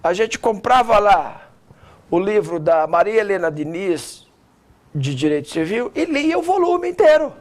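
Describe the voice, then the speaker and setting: A man teaching an online public speaking lesson, animated and talking straight to the viewer, shifting his pace and loudness to demonstrate. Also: sits high. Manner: addresses the viewer directly with quick rhetorical objections.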